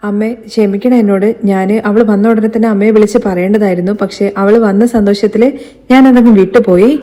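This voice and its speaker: A woman's voice: mid-range voice, fairly even intonation, brisk, dark tone, close to an everyday voice. A woman reading a worried, defensive young husband's lines in her own voice, retelling a TV serial. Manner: defensive, explaining.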